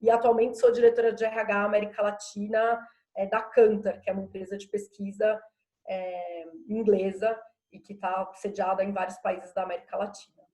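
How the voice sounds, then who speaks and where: Mellow-voiced woman in her forties. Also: medium pitch, flat delivery, normal speed. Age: 40s. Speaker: HR director, guest. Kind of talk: self-introduction on a live talk.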